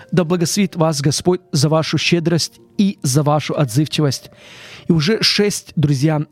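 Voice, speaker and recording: Earnest fairly high-voiced man on Christian radio. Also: darkish tone. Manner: earnest, repeats "friends" often, halting restarts. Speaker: Christian radio fundraising host. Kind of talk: live radio fundraising appeal.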